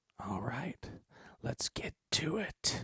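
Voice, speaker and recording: A man puts on a character voice, whispering. It sounds raspy and menacing. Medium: read story. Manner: gravelly and menacing.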